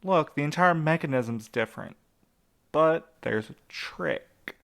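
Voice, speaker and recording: A man's voice: a little high, animated, takes it slowly, gravelly, heavy background noise, exaggerated voice. A man playing a sardonic, grumbling young mail van driver in a naturalistic audio drama. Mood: exasperated. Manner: sarcastic, grumbling.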